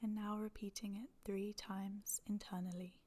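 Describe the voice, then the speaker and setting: Soft, even-toned woman guiding meditation. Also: mid-range voice. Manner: soft, breathy, near-whispered delivery; calm, soothing, gentle, with long pauses. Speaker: yoga nidra meditation guide. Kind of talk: guided meditation.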